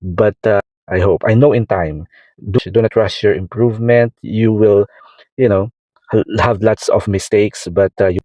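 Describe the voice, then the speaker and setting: Man, Filipino accent, native Tagalog speaker, low voice, dry close sound, rambling tutorial talk. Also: steady tone, moderate pace, warm tone, dry recording, lo-fi sound. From Philippines. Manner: rambling, repeats words, frequent fillers. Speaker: art tutor. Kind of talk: casual tutorial talk over drawing.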